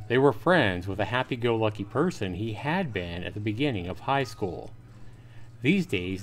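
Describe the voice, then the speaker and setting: A man hosting a livestream, reading a visual novel aloud as a narrator with casual asides. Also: on the low side. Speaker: livestream host. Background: faint music.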